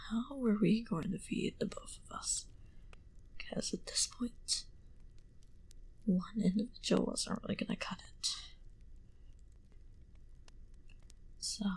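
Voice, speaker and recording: A woman playing a wistful female vampire in an ASMR roleplay, confiding her backstory in an intimate, breathy whisper. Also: medium pitch, a little mellow, poor audio. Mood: grave, confiding. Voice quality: breathy, mostly unvoiced whisper. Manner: slow, intimate, confiding delivery.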